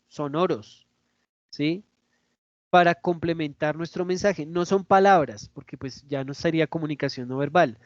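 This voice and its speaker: A man lectures in a lively, demonstrative way and keeps checking in with his listeners. His voice sits a little high for a man. The sound is dull and lo-fi, from an online call, and dry, with no room echo.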